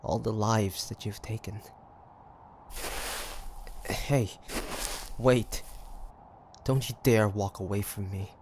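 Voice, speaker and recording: Man acting a slow, deep-voiced, defiant demon hunter. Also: fairly even intonation, background noise. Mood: defiant, angry. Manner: theatrical, taunting, halting with sighs and pauses. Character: cocky, stubborn male demon hunter, 1850s, defiant. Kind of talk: dramatic audio roleplay monologue.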